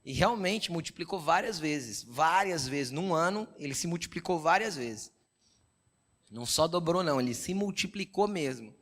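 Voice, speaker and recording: A middle-aged Brazilian pastor preaching a sermon, telling personal stories and often checking that listeners follow. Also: male voice, a little high, animated, moderate pace, fairly bright tone. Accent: Brazilian Portuguese. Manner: conversational preaching with frequent "entendeu?" check-ins; storytelling, quoting God and his wife in dialogue.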